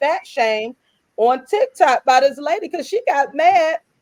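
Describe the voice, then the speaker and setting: A woman speaks with an American accent and an animated tone. Her pitch swings very widely. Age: 40s. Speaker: former teacher. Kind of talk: casual chat.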